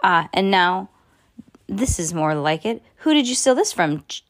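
A woman's voice: lowish voice, lively intonation, measured pace. A woman reading the lines of a suspicious, bullying boy, taunting and accusing as she voices him.

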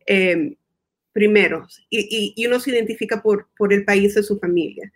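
A woman's voice: medium pitch, normal speed. Female interview guest with a middle-range voice, thoughtful explainer who drops in English terms and repeats words as she thinks. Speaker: guest expert. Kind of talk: conversational interview. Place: United States.

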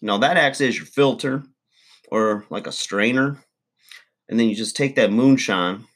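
A man's voice: mid-range voice, a little slow, a bit bright, breathy edge. A man playing a crude, boastful middle-aged redneck uncle, rambling folksy advice in a comedy monologue.

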